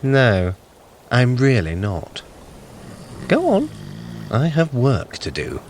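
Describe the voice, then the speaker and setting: An actor playing a sardonic, haughty male trickster god in an audio drama, smug and quick-witted. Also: mid-range voice, wildly swooping pitch, a little hiss or hum, heavily acted. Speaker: Loki.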